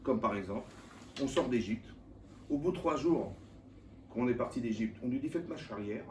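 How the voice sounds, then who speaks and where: Male rabbi, informal Torah class, animated, keeps quizzing the audience; roomy, distant recording. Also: mid-range voice, normal speed. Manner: colloquial and animated, firing rhetorical questions at listeners. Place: lecture room with live audience. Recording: echoey room, mic at a distance, faint background noise.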